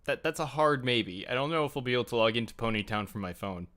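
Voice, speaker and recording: A man's voice: medium pitch, lively intonation, fast talker, sharp tone. A man hosting a casual group chat on a livestream, talking in a rambling, jokey, self-deprecating way. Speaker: host of a fan livestream talk show. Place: home computer setup, online group call. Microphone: headset.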